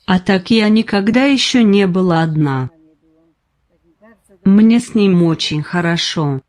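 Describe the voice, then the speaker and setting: Older woman in her nineties, patient interviewee, unhurried, plain short sentences. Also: mid-range voice, darkish tone. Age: 90s. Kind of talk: slow personal testimony.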